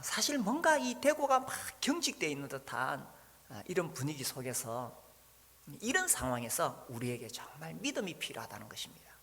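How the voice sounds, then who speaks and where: Lively bright-voiced pastor in a hall. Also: male voice, medium pitch. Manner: frequent "ah" and "uh" fillers, musing and questioning. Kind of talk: sermon. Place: church sanctuary. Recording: long reverb of a hall.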